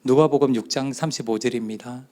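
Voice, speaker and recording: A man's voice: mid-range voice, a little fast, warm tone. A middle-aged man with a Gyeongsang accent, a church elder giving a testimony talk, telling his story in short spoken phrases and acting out the dialogue. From southeastern Korea.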